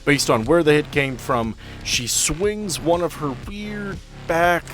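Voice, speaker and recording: A man's voice: on the high side, lively intonation, slow, a bit bright. A man acting as game master, casually improvising narration and rulings for a tabletop role-playing game. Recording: music playing behind the voice.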